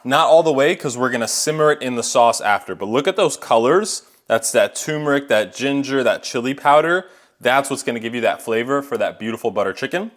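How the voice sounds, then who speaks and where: A man's voice: medium pitch, expressive, brisk. Casual, chatty male home cook. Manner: chatty, instructive, talking to viewers. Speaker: home cook presenting a recipe. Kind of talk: casual cooking demonstration.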